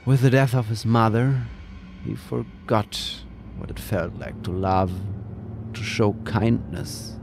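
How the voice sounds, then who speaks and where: A narrator delivers a scripted horror story in a slow, brooding way, his fairly low, gravelly voice occasionally dropping to a whisper. He takes his time, with faint music underneath and a noisy background.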